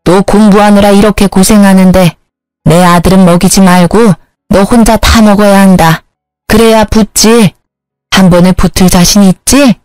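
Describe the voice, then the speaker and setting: A woman voicing a bossy older mother-in-law who scolds slowly in a storybook narration. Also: medium pitch, fairly even intonation, darkish tone, clean tone, no echo, faint music behind, close to an everyday voice. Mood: doting.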